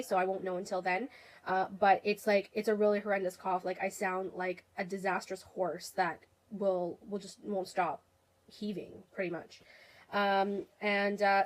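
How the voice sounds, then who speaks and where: Young woman, nasal and stuffed up, casual beauty vlog chat, rambling with ums, talking to her camera. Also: mid-range voice. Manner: chatty, rambling, many fillers. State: sick, nasal and congested. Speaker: beauty vlogger.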